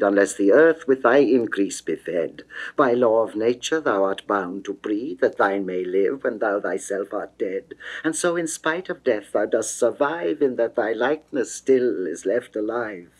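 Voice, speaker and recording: A man's voice: medium pitch, slightly rough. A man voicing an ardent, coaxing and imperious goddess of love in a theatrical classical verse reading from the 1960s. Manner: theatrical, caressing, drawn-out verse delivery. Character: seductive, lovesick goddess Venus, ardent, coaxing, imperious female.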